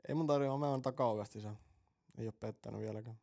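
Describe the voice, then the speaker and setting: Man, gravelly, casual crude banter, rambling storyteller, swears a lot. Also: mid-range voice, dark tone. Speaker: podcast co-host.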